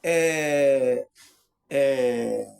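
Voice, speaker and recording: Slow-speaking Bahian man teaching spirituality. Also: mid-range voice, gravelly, darkish tone. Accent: Bahian Brazilian Portuguese. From Salvador, Bahia, Brazil. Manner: keeps asking viewers if they understand, hesitant fillers. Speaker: spiritual video host. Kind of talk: spiritual teaching monologue to camera.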